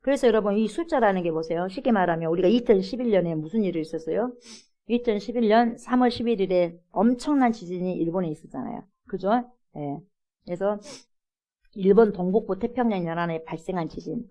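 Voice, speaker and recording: A woman pastor giving an early-morning prayer sermon in a church, animated, acting out quoted voices and laughing often. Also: medium pitch, fast.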